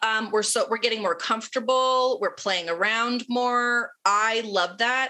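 Hardly pausing, a woman speaks at a fairly slow pace and a fairly high pitch. Her tone is bright and sharp, with fairly even intonation. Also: very even loudness, very clean recording, silent background. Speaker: podcast co-host. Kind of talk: casual chat.

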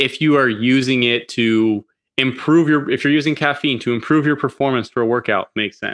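Here is an unremarkable speaking voice from a man with an American accent. He talks at a fairly quick pace and a medium pitch, with fairly even intonation. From US Northeast, New Jersey. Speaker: healthcare worker and health researcher. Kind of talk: casual chat.

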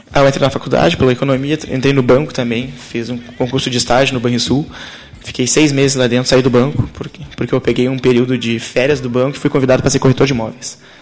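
Monotone, flat speech moves at a very fast pace against noticeable background noise. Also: man, medium pitch for a man. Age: 20s. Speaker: startup founder. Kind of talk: radio interview. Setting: studio.

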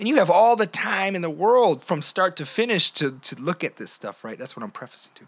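A man at a fairly quick pace. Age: 20s. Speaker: podcast host and motivational speaker. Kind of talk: motivational monologue.

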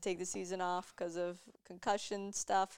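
A woman's monotone, flat delivery in an American accent, in a very clean recording with a silent background. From Massachusetts (Mansfield, near Boston). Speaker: college hockey coach. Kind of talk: casual interview.

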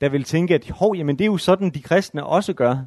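Against a quiet background, a man speaks at a moderate pace with fairly high pitch and ordinary pitch variation, the sound dry and close with no echo. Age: 40s. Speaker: lecturer on early Christianity. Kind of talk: lecture. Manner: halting, many filler sounds.

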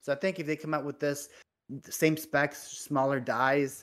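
This man has a plain, everyday voice, fairly high in pitch, speaking at a moderate pace on a very clean recording with a silent background. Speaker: podcast co-host, gamer. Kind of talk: casual chat.

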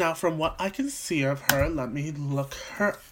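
A man speaks at a fairly high pitch with ordinary pitch variation. There is noticeable background noise. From Vietnamese heritage. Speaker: pageant podcast host. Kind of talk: casual commentary podcast. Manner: animated.

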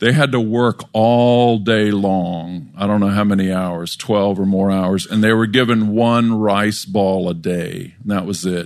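Against a quiet background, a man with an American accent talks in a normal speaking voice, fairly low in pitch and fairly slow, with fairly even intonation and hardly any pauses. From South Korea (American missionary family). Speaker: missionary. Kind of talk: talk to a men's breakfast group. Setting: live audience in a restaurant.

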